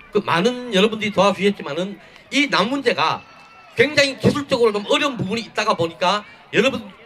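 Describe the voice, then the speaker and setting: There is noticeable background noise as a man speaks with a high pitch. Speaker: protest committee organizer, former plant engineer. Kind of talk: protest rally speech. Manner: halting, with fillers.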